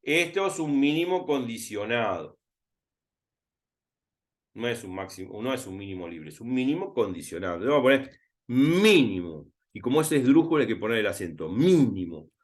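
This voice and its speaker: A man with a Rioplatense Spanish accent tutors through a recorded math lesson. He talks to himself as he writes, drawing out and repeating key words at an unhurried pace. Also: mid-range voice, very animated. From Argentina. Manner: thinking aloud while writing, repeating words slowly.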